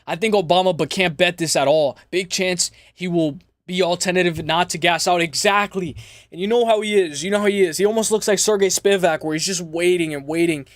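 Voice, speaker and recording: A man with a high, slightly raspy voice hosts a casual fight-talk livestream. He speaks in slangy, chummy phrases that he often repeats as he chats with viewers. The sound is close and dry. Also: a little fast, no room sound. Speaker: host of a live MMA preview stream.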